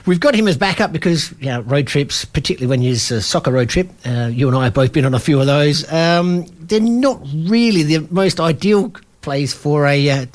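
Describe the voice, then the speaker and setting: A man hosts a community radio football show, his voice sitting somewhat high. He rambles through the lineup with fillers and restarts, poking fun at himself. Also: lively intonation, brisk, few pauses. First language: English. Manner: rambling, self-deprecating, many fillers and restarts. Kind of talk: casual community radio chat.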